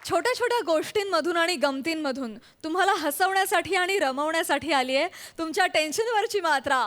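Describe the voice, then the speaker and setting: A woman's voice: very high-pitched, a little fast, fairly bright tone. A woman with a Marathi accent introducing a comedy show in an upbeat, scripted announcing voice. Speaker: show presenter.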